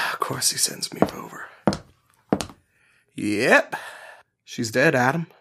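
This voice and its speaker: A man's voice: mid-range voice, animated, takes it slowly, noisy background. A man voicing a young man who grumbles and complains in an amateur audio drama. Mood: grumbling. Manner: reluctant, complaining. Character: young man named Ganymede, wary and grumbling.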